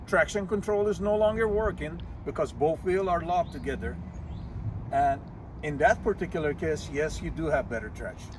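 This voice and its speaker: A man's voice: on the high side, normal speed, background noise. An older man, a mechanic, explaining car features step by step in a plain, methodical way, with small slips. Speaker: master diagnostic technician. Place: outdoors in a dealership parking lot, then inside a car.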